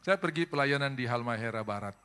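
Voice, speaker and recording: Bright-voiced pastor preaching with humor. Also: male voice, animated, fast, clear, resonant tone. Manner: humorous storytelling, acts out voices with big pitch jumps; addresses congregation as brothers and sisters. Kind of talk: sermon.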